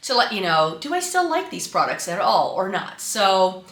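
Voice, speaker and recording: Woman vlogging, stuffy and a bit raspy from flu, bright tone, echoey room with the camera set back. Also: medium pitch, very animated, moderate pace. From Netherlands. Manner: chatty, with frequent ums and restarts. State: congested and slightly raspy from flu. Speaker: beauty vlogger. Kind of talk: casual chat to camera. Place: home room by a Christmas tree. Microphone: camera mic, set some way off.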